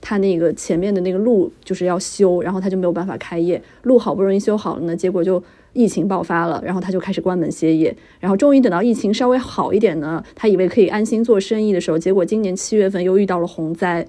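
Woman journalist co-host, fast, warm and mellow, earnest in casual chat. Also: lowish voice. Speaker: podcast co-host, news journalist.

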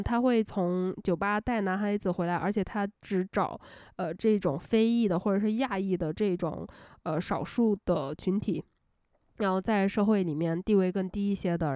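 Animated woman ranting casually. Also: medium pitch, no room sound, clean studio sound. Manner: animated storytelling, laughing often, dropping English words into her talk. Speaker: host. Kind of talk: unscripted casual rant.

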